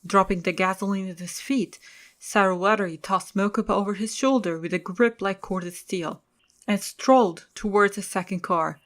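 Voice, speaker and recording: A woman's voice: medium pitch, normal speed, a bit bright. A woman reading scripted third-person story narration for an audio drama.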